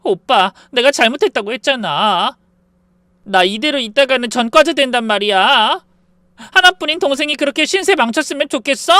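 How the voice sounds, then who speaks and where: A man's voice: extremely high pitch, expressive, moderate pace, bright, forceful tone, clear, resonant tone, no room sound, studio quality, pitched above the performer's own voice, exaggerated voice. A man voicing a spiteful young sister-in-law who shrieks and begs by turns. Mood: sobbing pleas.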